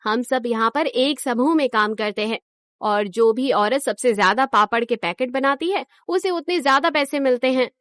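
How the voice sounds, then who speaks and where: A woman voicing a calm, fair-minded woman who runs a papad workshop in a cartoon story, speaking patiently and reasonably. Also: fairly high pitch, normal speed, dry recording, close to an everyday voice. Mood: reasoning.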